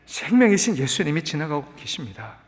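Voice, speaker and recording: A male pastor preaching a sermon in an animated way, dropping English words into his talk. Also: fairly high pitch, brisk, long reverb tail. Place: church sanctuary.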